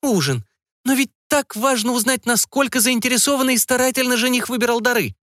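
A man voicing a fussy, excitable middle-aged mother who fires off anxious questions. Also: very high voice, a little fast, no echo, clean studio sound, pitched above the performer's own voice. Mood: prying. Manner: fretful, breathless questioning.

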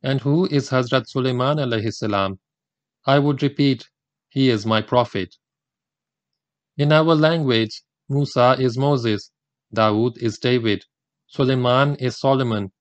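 An older man from India, whose first language is Gujarati, gives a formal religious lecture in a measured, deliberate way. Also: mid-range voice, dry recording. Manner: measured, deliberate delivery with Quranic recitation.

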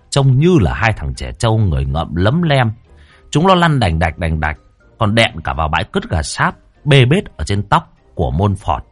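A man narrating a ghost story in a vivid, lively way. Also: sits low. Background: faint background music.

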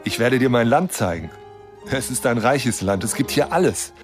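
A man's voice: medium pitch, expressive, normal speed, close to an everyday voice. Lonely lovestruck man over music acted. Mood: eager, dreamy. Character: lonely male astronomer, lovestruck yet mistrustful, yearning. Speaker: actor. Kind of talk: German radio drama acting. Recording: music behind the voice.

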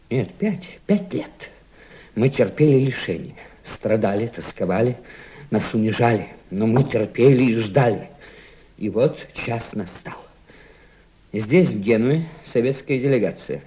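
An actor in a Russian radio drama playing an embittered, fervent White émigré conspirator, theatrical, insistent and persuasive. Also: male voice, on the low side, lightly acted. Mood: fervent, bitter. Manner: theatrical, insistent, emphatic repetition. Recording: dull, lo-fi old radio play recording.

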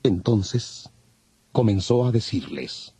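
Low, mellow male scripture narrator. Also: expressive, breathy edge, no room sound, low-quality recording. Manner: measured, formal. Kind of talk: scripted dramatized Bible narration.

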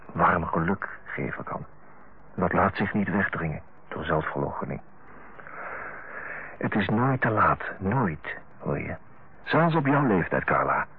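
An actor playing an earnest, tender brother in a Dutch radio play, speaking in a solemn, eloquent, husky voice. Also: male voice, low-pitched, exaggerated voice. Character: earnest, tender brother counselling his older-aged sister. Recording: muffled, phone-like old radio recording.

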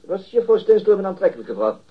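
An actor in a radio drama playing a blunt, persistent police interrogator with a brusque, formal way of questioning. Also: male voice, high-pitched, big pitch swings, fast talker, husky, heavily acted. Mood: probing. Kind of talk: acted radio drama dialogue. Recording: dull, muffled lo-fi radio recording.

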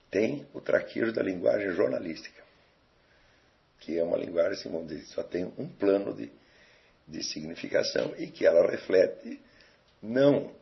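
A very low, gravelly male voice with a Brazilian Portuguese accent, lecturing students in a rambling, conversational way. He keeps tossing out rhetorical questions and checking in with his listeners. The recording is dull and lo-fi. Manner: digressive, conversational, rhetorical questions with tag "tá certo?".

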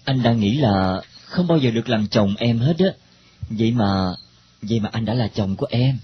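A man voicing a devoted, bashful young husband, gentle and hesitant. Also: medium pitch, normal speed, a little hiss or hum, close to an everyday voice. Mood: tender. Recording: dull lo-fi recording.

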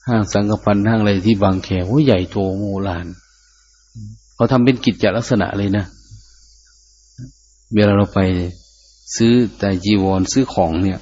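A man's voice: on the low side, moderate pace, long pauses, darkish tone. An older man, a Buddhist monk, giving a dhamma talk where he chants Pali phrases and then explains them plainly. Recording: muffled lo-fi recording.

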